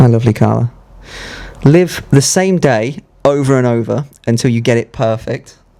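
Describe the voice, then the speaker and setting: A British-accented man of medium pitch at a moderate pace, with ordinary pitch variation and long, frequent pauses. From UK. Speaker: podcast co-host. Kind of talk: casual chat.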